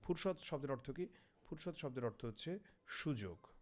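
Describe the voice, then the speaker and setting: A man's voice: mid-range voice, lively intonation, normal speed. A young man teaching a literary text, reading a passage aloud and then explaining each word with questions.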